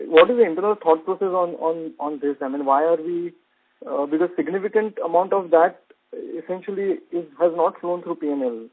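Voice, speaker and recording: A man asking questions as an analyst on an earnings call, phrasing them tentatively. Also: on the high side. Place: conference phone call. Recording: thin phone line.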